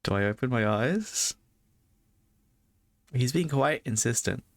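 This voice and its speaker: A man's voice: mid-range voice, animated, slow, gravelly, no echo. A man doing casual, reactive let's play commentary, talking back to the game in a wry, conversational way. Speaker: let's player, streamer.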